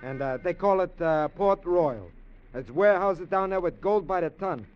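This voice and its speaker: A pushy small-time crook. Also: male voice, high-pitched, animated, normal speed, soft background music. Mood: scheming. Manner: chatty street slang, pushy. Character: small-time male burglar, eager fast-talking schemer. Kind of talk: 1950s radio drama acting. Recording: dull old radio recording.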